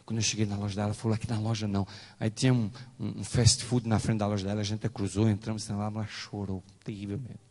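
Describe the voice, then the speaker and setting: Brazilian male pastor, husky voice, animated sermon storyteller, long hall echo. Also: fairly low pitch, fast. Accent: Brazilian Portuguese. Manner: animated storyteller, voice rises sharply when quoting others.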